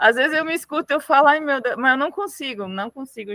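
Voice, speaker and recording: A woman speaks with a bright, sharp tone and lively intonation. The sound is dry and close, with no echo. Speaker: craft channel host. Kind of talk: casual chat. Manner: slow; calm.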